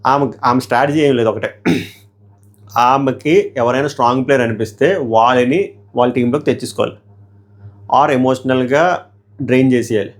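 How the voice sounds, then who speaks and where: A hoarse young man giving a heated, argumentative review of a reality show episode and putting questions to his viewers. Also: mid-range voice, normal speed, pauses often.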